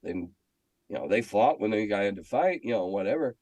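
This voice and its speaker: Animated and a little fast, this older American man speaks in a lowish, slightly mellow voice as an interview guest. The veteran game designer and editor tells stories and stresses his opinions by repeating phrases, all recorded without echo.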